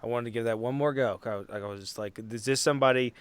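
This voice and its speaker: A man's voice: mid-range voice, fast talker, clear, resonant tone. A man playing a tabletop game, chatting casually and informally with the group. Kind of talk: casual chat.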